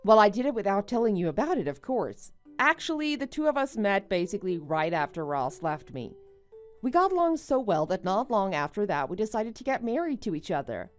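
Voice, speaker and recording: Casting: actress as betrayed young wife in animated melodrama, sensible and firm, medium pitch with very varied intonation. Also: female voice, a little fast, soft background music, lightly acted. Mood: matter-of-fact. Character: indignant, level-headed young married woman, betrayed friend. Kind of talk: melodramatic animated-story voice acting.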